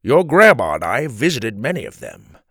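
A man voicing a genial, confident older grandfather who explains things in a measured way. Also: mid-range voice, sing-song, a bit bright, no room sound, clean studio sound. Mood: informative.

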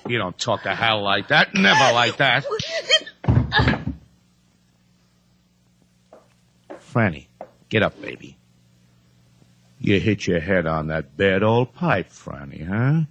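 A man's voice: on the low side, very animated, a little slow, sharp tone, a little hiss or hum, heavily acted. A man playing a brash, needling comedian and schemer in a 1950s radio drama, wisecracking and pushy, repeating himself. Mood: coaxing, shaken.

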